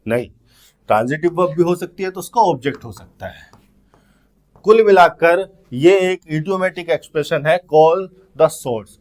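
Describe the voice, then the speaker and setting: A man with a somewhat high voice teaches English grammar in an exam-prep lesson. He explains things step by step and reads the English questions aloud slowly.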